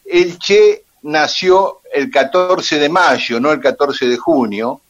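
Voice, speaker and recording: A man's voice: on the high side, slow, lo-fi sound. Argentine man telling history on radio. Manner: detailed, steady, with "eh" and "este" fillers. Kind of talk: storytelling on radio.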